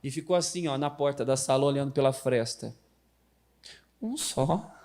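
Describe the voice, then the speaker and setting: A middle-aged Brazilian man preaching a lively sermon at a church service, telling family stories and asking the congregation questions. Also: medium pitch, fast talker. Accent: Brazilian Portuguese. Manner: animated storyteller, acts out family members' voices, asks the congregation questions. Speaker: pastor.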